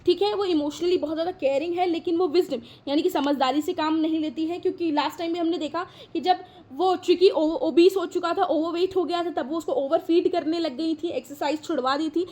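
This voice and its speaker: A woman teacher with an Indian accent, explaining a lesson in Hindi and reading answers out slowly in English. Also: very high voice, steady tone, a little mellow. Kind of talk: classroom lesson.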